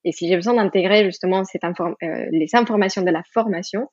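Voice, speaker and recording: A woman's voice: on the low side, fast talker, a little mellow, husky, no room sound, dull audio. A woman from Mexico with a Mexican Spanish accent, a yoga teacher talking as a podcast guest in a thoughtful way, often restarting her sentences. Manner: thoughtful, many restarts and fillers, laughs easily. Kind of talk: podcast interview.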